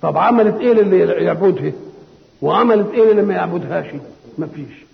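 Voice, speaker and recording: An older man with an Egyptian accent gives a conversational Quran commentary, asking and answering his own questions and reciting verses slowly and solemnly. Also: high voice, animated, creaky. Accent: Egyptian Arabic. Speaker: Islamic scholar giving Quran commentary. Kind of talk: colloquial Quran exegesis lecture. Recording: dull lo-fi recording with long hall reverb.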